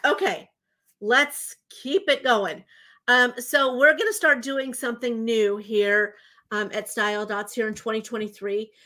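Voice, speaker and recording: A woman in her forties hosting a live jewelry shopping show, chatty and enthusiastic with lots of ums, her voice slightly hoarse from a recent bronchitis. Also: a little high, a bit bright. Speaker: jewelry livestream host. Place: indoor home studio room.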